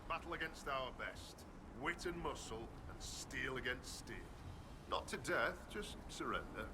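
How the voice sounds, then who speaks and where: An actor playing a tough tribal arena master and warrior trainer in a fantasy game, terse, stern and challenging. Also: male voice, medium pitch, expressive, unhurried, background noise, natural voice. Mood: goading. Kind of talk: scripted fantasy game dialogue.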